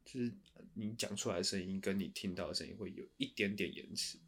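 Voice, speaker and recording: Low, bright-voiced man, very animated. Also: fast talker, slightly rough. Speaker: podcast co-host. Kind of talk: casual chat.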